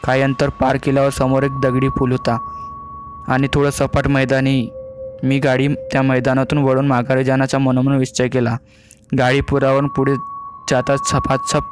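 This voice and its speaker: Male storyteller, flat even horror narration, light music underneath. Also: medium pitch. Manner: even, steady storytelling delivery. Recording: faint music behind the voice.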